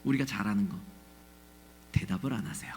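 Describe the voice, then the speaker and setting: A man's voice: fairly low pitch, brisk, slight background noise. A male pastor preaching a sermon in a conversational, emotive way, often asking the congregation questions and acting out anguished pleas. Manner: emotive, acts out biblical cries and pleas.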